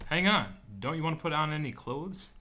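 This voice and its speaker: A woman's voice: sits low, lively intonation, fairly quick, bright, forceful tone, a little hiss or hum. A woman playing a wary, grudging police officer in a sci-fi radio drama, speaking in a dry, sarcastic manner. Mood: wary, reluctant.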